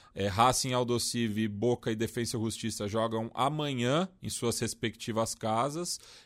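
A man talks at a fairly slow pace and medium pitch, with hardly any pauses and ordinary pitch variation. It is an unremarkable speaking voice on a very clean recording with a silent background. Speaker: football podcast host. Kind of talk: casual chat.

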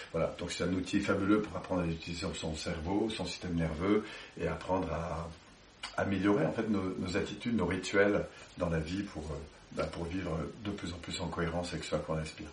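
Amid audible room echo and noticeable background noise, a man talks at a fairly quick pace with long, frequent pauses. His voice is very deep and low, with fairly even intonation. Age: 50s. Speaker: personal development trainer. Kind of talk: interview. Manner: halting.

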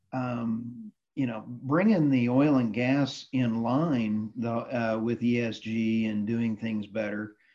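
Very slow and with hardly any pauses, a man with a Texan accent speaks at medium pitch in a dark, mellow tone with fairly even intonation. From Texas. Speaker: interviewer, oil and gas media director. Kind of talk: interview.

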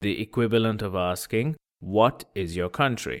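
In a very clean recording with a silent background, a man speaks with a Sri Lankan accent. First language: Sinhala. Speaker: language teacher. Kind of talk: tutorial.

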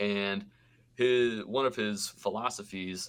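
The voice has an American accent, on a very clean recording with a silent background. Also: man. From New Jersey. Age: 40s. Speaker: real estate agent. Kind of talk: casual interview.

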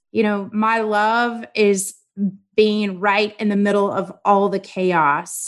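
A woman in a Texan accent, monotone and flat, at a very slow pace, on a very clean recording with a silent background. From South Texas (Corpus Christi). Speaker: company executive. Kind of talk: interview.

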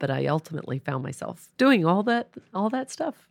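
A woman with an American accent speaks in a fairly low voice with vocal fry. The sound is dry and close with no echo, in a very clean recording with a silent background. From rural Texas. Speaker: author and comedy club owner. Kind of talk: casual interview chat.

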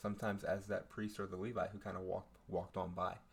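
Somewhat breathy, a man with an American accent talks very fast in a fairly low pitch with fairly even intonation. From Texas (Denton). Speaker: college student and track athlete. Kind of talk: casual chat.

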